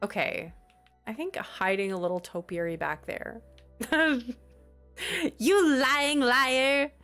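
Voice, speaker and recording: A woman's voice: fairly high pitch, slow pace, a bit bright, faint music behind. A woman chatting casually on a live stream, giggly and talkative as she greets and answers her chat.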